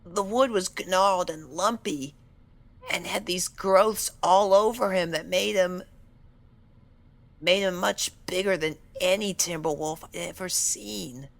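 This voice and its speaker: A woman's voice: lowish voice, slow pace, creaky. A woman voicing a timid, frightened young pony, speaking hesitantly with stammers and apologies in an audio story. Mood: uneasy, hesitant. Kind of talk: dramatic audio story acting.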